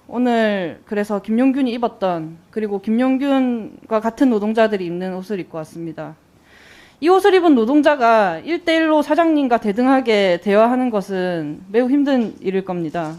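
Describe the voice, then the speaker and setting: A woman's voice: on the high side, animated, moderate pace, darkish tone. A woman in her twenties, a lawmaker questioning an executive in a parliamentary hearing with pointed, indignant rhetorical questions. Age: 20s. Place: national assembly hearing room. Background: faint guitar music.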